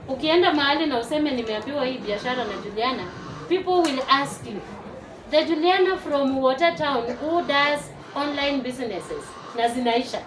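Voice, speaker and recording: A woman in her forties from Uganda, a teacher and network marketer, giving a lively testimonial to a live audience and rallying them to clap. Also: high-pitched. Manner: lively, rallies the crowd to clap. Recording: echoey hall, far from the mic, noisy.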